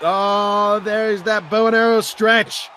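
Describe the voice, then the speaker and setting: A man doing live wrestling play-by-play commentary in an excitable, dramatic manner. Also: high voice, slow pace, a faint crowd, a little hiss or hum.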